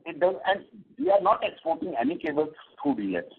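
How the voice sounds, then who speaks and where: A man with an Indian accent giving company commentary and answers on an earnings call, halting and repeating words. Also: a little high, very animated. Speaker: company executive. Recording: muffled, tinny conference phone line.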